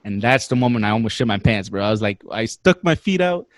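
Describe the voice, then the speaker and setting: A young man in his twenties telling a long story in a slangy, animated way, swearing as he goes. His voice sits a little low, and the recording is dry and close. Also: fast, no echo. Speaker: podcast guest. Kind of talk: casual storytelling.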